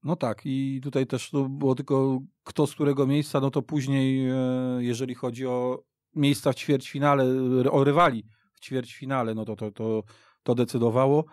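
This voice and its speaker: A man's voice: mid-range voice, level tone, normal speed, darkish tone, no room sound, studio quality. A middle-aged man reminiscing in a casual football discussion, rambling and repeating himself as he tells the story. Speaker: football podcast guest. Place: radio studio.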